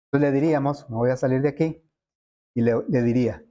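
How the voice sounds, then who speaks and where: A man teaching a programming lesson over a screen recording, thinking aloud with many fillers and quick checks with his students. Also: mid-range voice, mellow.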